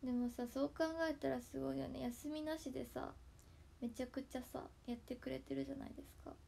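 A young woman with a Hakata dialect, chatting casually on her livestream from home and thanking viewers, often slipping into soft whispery asides. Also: sits high, fairly even intonation, a little fast, vocal fry, slight background noise. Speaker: idol livestream host. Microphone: tablet built-in mic.

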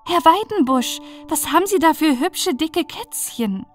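Woman as eager, high-voiced lady bee. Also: expressive, measured pace, faint music behind. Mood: admiring. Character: polite, delighted, busy female bees.

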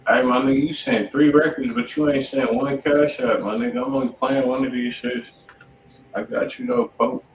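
A man's voice: mid-range voice, sing-song, moderate pace, gravelly, a little hiss or hum. A man co-hosting a live music review stream, giving blunt, slangy critiques in casual chat. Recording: roomy sound, mic at a distance.

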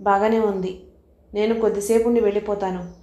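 A woman's voice: mid-range voice, steady tone, a little fast, warm tone, natural voice. Woman doing a sullen arrogant young man. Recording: roomy echo.

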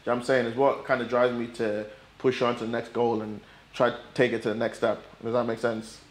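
Young man, quick talker, animated and rambling, lapel mic, roomy living room sound. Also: medium pitch. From Nigeria, raised in Ireland. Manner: animated, rambling, many fillers. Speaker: guest, forex trader. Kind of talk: casual sit-down interview. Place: bright living room, indoors. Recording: echoey room.

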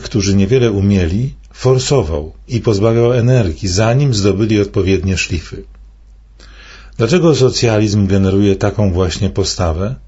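An older man delivering scripted commentary in a measured, declamatory way, posing rhetorical questions. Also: fairly low pitch, darkish tone, breathy edge, highs cut off.

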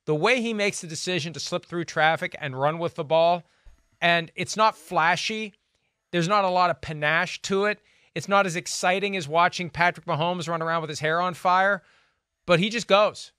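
Man, sports talk host, fairly high voice, smooth tone, emphatic, dry studio sound. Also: normal speed, bright, forceful tone, dry recording. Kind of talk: casual studio discussion. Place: studio with brick wall. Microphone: studio mic on boom arm.

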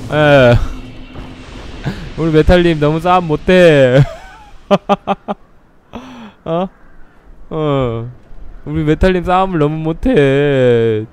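Male game commentator, unhurried delivery, playful with sudden startled outbursts. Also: fairly high pitch, clean tone. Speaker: gameplay commentator.

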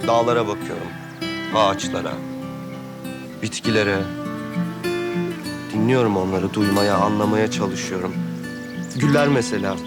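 An actor playing a gentle, talkative young man who trained as an architect, soft-spoken and eager, with loud guitar music beneath. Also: on the low side, measured pace, long pauses. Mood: enthusiastic. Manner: soft-spoken, rambles with enthusiasm, self-conscious. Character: gentle young male architect-turned-rose-grower, talkative. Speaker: actor in a TV drama.

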